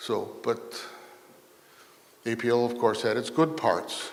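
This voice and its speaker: A man with a Chicago accent talks at a moderate pace and medium pitch with ordinary variation, amid noticeable background noise and audible room echo. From Chicago, US Midwest. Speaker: software consultant and conference speaker. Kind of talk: lightning talk at a conference. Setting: stage with audience.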